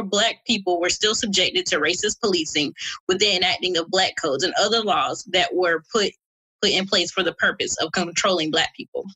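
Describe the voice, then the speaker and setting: Forceful woman giving an impassioned revolutionary speech. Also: medium pitch, husky, poor audio. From South Carolina, United States. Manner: impassioned, militant revolutionary oratory. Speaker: activist speaker. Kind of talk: prepared political speech.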